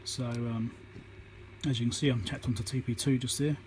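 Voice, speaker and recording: Man, mid-pitched voice, informal repair demonstration, matter-of-fact, talks through each step, phone recording with noticeable background noise. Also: steady tone, normal speed, a little mellow. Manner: matter-of-fact, thinking aloud while working. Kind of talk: informal hands-on tutorial commentary. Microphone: phone on a tripod.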